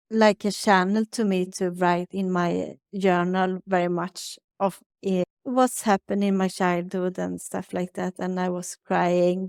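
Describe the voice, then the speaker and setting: A Swedish woman in her thirties, a native Swedish speaker, talks haltingly in English as an interview guest, searching for words. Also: lowish voice, darkish tone, smooth, no echo, studio quality. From Sweden. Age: 30s. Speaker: guest, spiritual advisor. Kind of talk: conversational interview.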